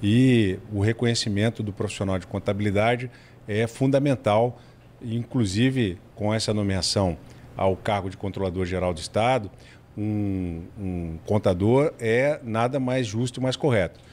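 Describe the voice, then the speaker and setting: A man's normal speaking voice, fairly low in pitch, with ordinary pitch variation. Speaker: candidate. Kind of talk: interview answer. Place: meeting room. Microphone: handheld.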